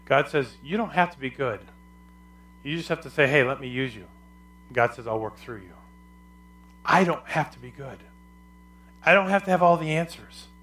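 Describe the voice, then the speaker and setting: A male pastor preaching a sermon with a loud, carrying voice and emphatic, repetitive phrasing. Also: medium pitch, expressive, moderate pace, pauses often, slight background noise.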